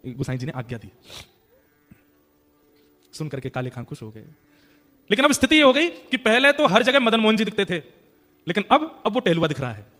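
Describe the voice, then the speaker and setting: A man telling a devotional story in an animated, dramatic way. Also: a little high, big-room sound. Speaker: religious storyteller.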